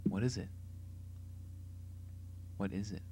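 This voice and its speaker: A man's voice: lowish voice, steady tone, slow, mellow, poor audio. A man voicing an aloof, dismissive young romantic lead with curt, earnest delivery, in an amateur audition with hiss. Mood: cool, curt. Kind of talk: amateur character audition lines.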